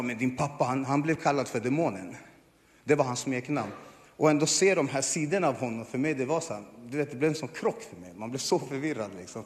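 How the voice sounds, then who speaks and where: A man tells his own story to a gathering in a mid-pitched voice. He acts out what others said and swings from loud bursts to near-whispered passages. The sound rings with the long echo of a large hall. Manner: storytelling with acted quotes, swings from loud to hushed. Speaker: speaker giving testimony. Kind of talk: animated personal testimony.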